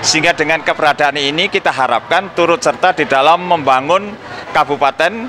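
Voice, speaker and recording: A man talks at a fairly quick pace with ordinary pitch variation. Light background noise sits behind him. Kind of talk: interview answer. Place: hall. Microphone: handheld.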